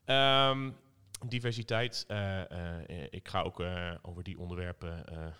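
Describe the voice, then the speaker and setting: A man's voice: sits low, steady tone, unhurried, sharp tone, smooth. A Dutch man, a political candidate, talking in a casual panel with many fillers and restarts.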